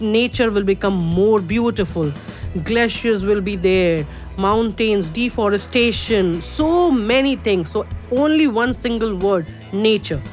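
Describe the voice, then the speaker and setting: A middle-aged woman from India whose first language is Urdu, a guest artist talking in a casual interview, halting with many fillers and restarts. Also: mid-range voice.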